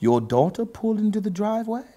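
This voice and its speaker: A man in his thirties playing a pompous aristocratic gentleman host, giving a theatrical mock-literary dramatic reading of rap lyrics. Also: high-pitched, very animated, lo-fi sound. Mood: theatrical, emphatic. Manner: pompous, theatrical, drawn-out pauses. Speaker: comedy show host. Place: book-lined indoor study set, seated.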